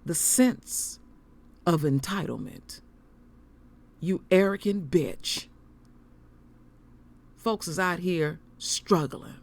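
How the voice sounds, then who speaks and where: A middle-aged online commentary host speaks unscripted and passionately to listeners he calls his royal family, growing impassioned and preachy until he's ranting, his pitch climbing when angry. His voice is gravelly with lively intonation, extremely slow, and broken by frequent pauses.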